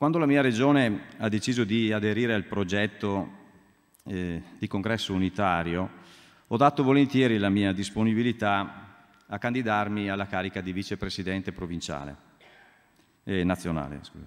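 A man with a fairly low voice speaks at a moderate pace, with ordinary pitch variation and long, frequent pauses, over a quiet background. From Verona, northern Italy; northern Italy. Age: 50s. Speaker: real estate agent and association official; candidate. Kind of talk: formal speech at a congress. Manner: formal. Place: hall. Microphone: podium.

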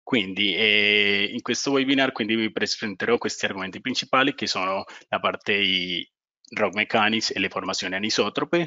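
Here a man speaks with a non-native accent at a fairly quick pace. His pitch is fairly low, with ordinary variation. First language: not Italian (speaking Italian). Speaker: geotechnical and tunnel engineer. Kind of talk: webinar presentation. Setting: online webinar. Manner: halting, many hesitations.

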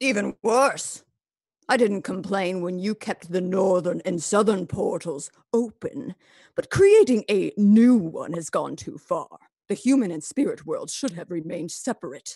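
A put-on character voice comes through at a middle pitch and a moderate pace. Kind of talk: booming commanding voice. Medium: read story. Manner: indignant, scornful, commanding.

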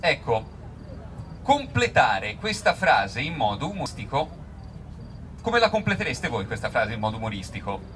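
A man speaking at a moderate pace with long, frequent pauses, over noticeable background noise. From Tuscany, Pisa. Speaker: chemist and crime novelist. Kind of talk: public talk. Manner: hesitant with fillers.

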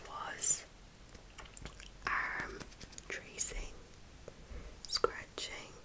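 Whispering broken by long, frequent pauses. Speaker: ASMR creator. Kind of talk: ASMR personal attention roleplay. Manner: whispered, soft-spoken. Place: home room.

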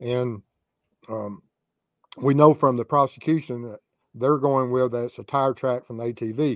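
In a dry, close recording with no echo, a man talks at a fairly slow pace with long, frequent pauses, his medium-pitched voice fairly even in intonation yet swinging widely in loudness. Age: 60s. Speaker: retired police investigator. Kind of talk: casual livestream chat. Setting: livestream.

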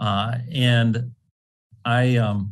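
Medium pitch from a man, fairly even intonation, and a quiet background. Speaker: state senator and retired army colonel. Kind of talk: panel discussion. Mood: earnest, reflective. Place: home room. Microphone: video call.

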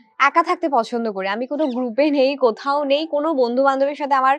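Lively intonation comes through a dry sound with no echo, with faint music in the background. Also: woman. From Chakdaha, Nadia district, West Bengal; West Bengal. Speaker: television actress. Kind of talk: casual interview. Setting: outdoors on a terrace. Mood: calm, reflective. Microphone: lapel.

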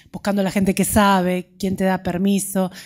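A woman speaks in a dark, mellow tone at a moderate pace. The background is quiet. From Argentina. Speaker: journalist giving a talk. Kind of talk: talk to students. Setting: auditorium with audience. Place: hall. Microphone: studio mic.

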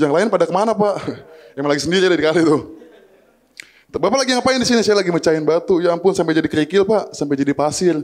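A man at a high pitch and a very fast pace. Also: ordinary pitch variation. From Bekasi, Indonesia; Indonesia. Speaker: stand-up comedian. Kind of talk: stand-up comedy set, storytelling bit mocking staged charity TV shows. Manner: animated, acting out dialogue between host and poor man; casual Jakarta slang delivery. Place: studio. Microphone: handheld.

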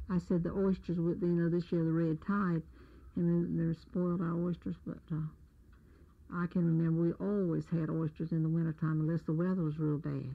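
A woman with an American accent, fairly low-pitched, at a moderate pace, in a monotone, flat intonation. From Ocracoke, North Carolina. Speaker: retired nurse and midwife's assistant. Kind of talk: oral history interview answer. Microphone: old recording.

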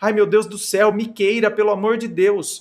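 Speaking at a moderate pace, a man has a high pitch and an animated tone. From Brazil. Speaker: relationship advice youtuber. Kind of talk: reading listener email with commentary. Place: home room.

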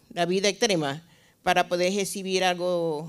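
Against a quiet background, a woman with a fairly low voice speaks at a moderate pace. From Venezuela. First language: Spanish (speaking Portuguese). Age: 60s. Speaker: university professor, immigrant. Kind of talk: public hearing testimony. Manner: halting, many hesitations. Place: hall. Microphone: handheld.

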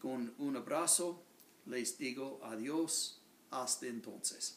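A man at a very slow pace, ordinary pitch movement, light noise in the background. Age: 80s+. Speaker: former mission president. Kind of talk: recorded announcement. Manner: halting. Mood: warm, affectionate. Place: home room.

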